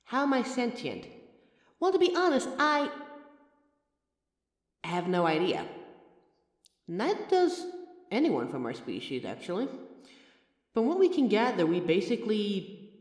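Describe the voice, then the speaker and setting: This voice actor uses a high-pitched full character voice with huge pitch swings, a measured pace and long pauses, recorded in a reverberant, echoey room. Speaking directly to the listener in a scripted roleplay, he plays their mirror reflection, a sentient being of light who explains patiently and adds wry, chatty remarks.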